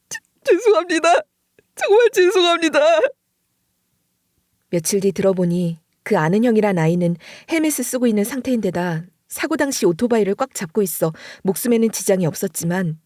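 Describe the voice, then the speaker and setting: A woman's voice: mid-range voice, dark tone, no room sound, clean studio sound. A middle-aged woman narrating a dramatic audio story in an emotional way, rising into heated scolding.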